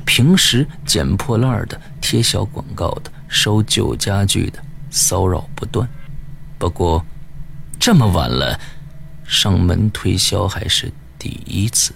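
Low raspy guy narrating a creepy story real slow, lots of pauses. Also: expressive, fairly bright tone, a little hiss or hum. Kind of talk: scripted horror story narration.

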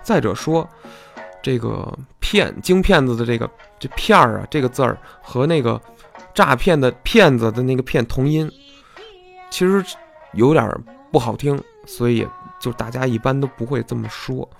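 A man's voice: medium pitch, animated, normal speed, vocal fry, soft background music. A man hosting a podcast, explaining in a chatty, folksy way and often asking his listeners "right?". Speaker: podcast host. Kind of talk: casual explanatory monologue.

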